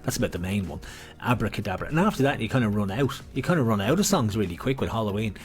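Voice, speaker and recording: Lively Irish man calling bingo. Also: lowish voice, fast talker, soft background music. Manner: playful, chatty, sing-song number calls. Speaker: bingo caller and host. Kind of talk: bingo calling mixed with casual banter.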